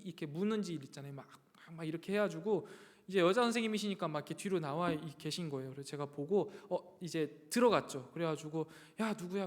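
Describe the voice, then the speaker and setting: A man pastor giving a youth sermon, talking conversationally and asking the congregation questions. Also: on the high side. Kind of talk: youth sermon with personal story. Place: church sanctuary. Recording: echoey church hall reverb.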